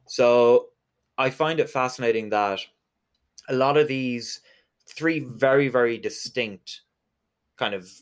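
A man from Galway, speaking with a west of Ireland accent, explains things conversationally as an interview guest representing a whiskey distillery. His medium-pitched voice is clear and resonant, and he talks slowly with frequent pauses.

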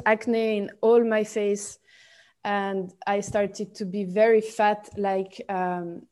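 A young woman from Switzerland speaks English with a Swiss French accent, pausing often and restarting her sentences. Her voice is mellow and her pitch stays level. She talks slowly as a podcast guest. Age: 20s. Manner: halting, many fillers and restarts. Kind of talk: podcast interview.

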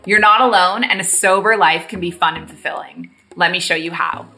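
A woman's voice: fairly low pitch, brisk, pushed and bright, soft background music. A young adult woman with a Canadian accent, reading a scripted podcast introduction as its host.

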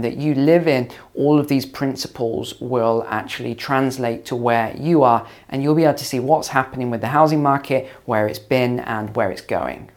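A man hosting his own finance channel, slightly hoarse after long calls, explaining to camera in a conversational way with ums and repeats. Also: mid-range voice. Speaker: finance video host and mentor.

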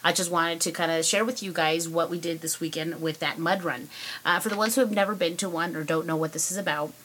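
A woman's voice: fairly low pitch, steady tone, fairly quick, fairly bright tone, a little hiss or hum. A woman hosting her own podcast, talking casually with many fillers while congested from a cold. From United States. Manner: chatty, rambling with many fillers. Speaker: podcast host. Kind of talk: casual solo podcast monologue.

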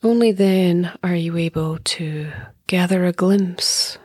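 Slow, breathy woman guiding a meditation. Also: lowish voice, dry recording, studio quality. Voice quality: soft, breathy, often near whisper. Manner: calm, soothing, unhurried with long pauses. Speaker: meditation teacher. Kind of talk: guided meditation.

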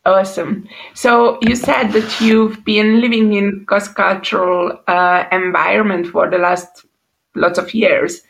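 A woman with a Hungarian accent hosts the chat, her voice gravelly with frequent fry. She speaks casually and thinks out loud, circling back over her words. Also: medium pitch, steady tone, a little slow, poor audio. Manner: chatty, thinks aloud. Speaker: podcast host.

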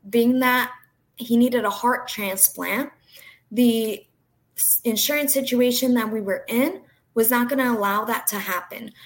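A woman's voice: fairly high pitch, fairly bright tone. A young woman with a New Jersey accent, born in Brazil with Portuguese as her first language, telling her story as a podcast guest in an earnest way with frequent "um"s. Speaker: health insurance agent, guest. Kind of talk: podcast interview, personal story.

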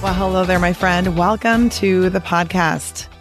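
Hoarse raspy woman podcast host. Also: fairly low pitch, steady tone, measured pace, music in the background. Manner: chatty, laughs often, encouraging. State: hoarse from a virus. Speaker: podcast host and weight loss coach. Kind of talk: casual podcast monologue.

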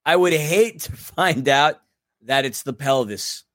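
A man's voice: a little high, takes it slowly, a bit bright, dry recording, clean studio sound. A man co-hosting a casual sports podcast, chatty and laughing often, sometimes stumbling over names. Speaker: podcast co-host.

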